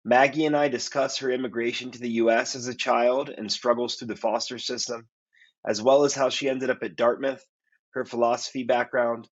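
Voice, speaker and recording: A man hosting a podcast, reading a scripted intro and asking questions in a measured, courteous way. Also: mid-range voice, muffled recording. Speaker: podcast host.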